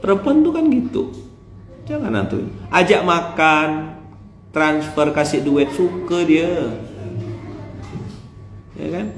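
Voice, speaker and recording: A male preacher with a Pontianak Malay accent, giving a joking, animated sermon and acting out voices of husbands and fathers. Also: fairly high pitch, takes it slowly, pauses often, echoey room, slight background noise. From Indonesia. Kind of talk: lively sermon.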